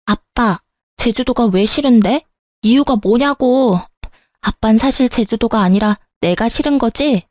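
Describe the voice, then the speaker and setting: A woman's voice: on the high side, unhurried, no room sound, natural voice. A woman voicing an upset, defiant young daughter in a narrated family story. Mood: pleading, sulky. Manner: petulant, pleading then shouting. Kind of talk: acted story dialogue.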